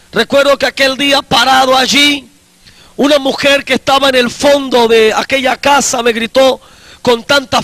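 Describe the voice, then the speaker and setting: A man in his forties with a very high, bright voice preaches his personal testimony as an evangelist. He talks slowly and with emphasis, going back over his own phrases. The sound is dry and close. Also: no room sound.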